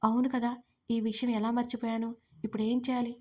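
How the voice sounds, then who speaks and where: A woman's voice: a little high, level tone, brisk, darkish tone, lightly acted. A woman voicing a shy, anxious young bride who talks in a flustered way, in a romance audio story. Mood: nervous.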